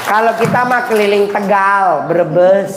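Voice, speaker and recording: A man's voice: high voice, unhurried, noisy background. A man hosting a live advice session, teasing the audience with crude jokes and calling people "Bos". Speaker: host giving advice sessions. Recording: echoey room with faint ambience.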